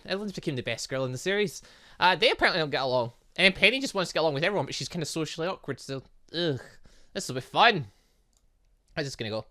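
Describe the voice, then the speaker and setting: A man with a fairly high, very bright voice gives casual let's-play commentary. He rambles through joking asides and reads on-screen text aloud, sometimes tripping over it. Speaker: gaming channel host.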